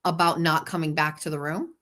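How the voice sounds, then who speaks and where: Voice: medium pitch, flat delivery, fairly bright tone. An interviewer who asks short questions and affirms often. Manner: slow, affirming, brief interjections. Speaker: host.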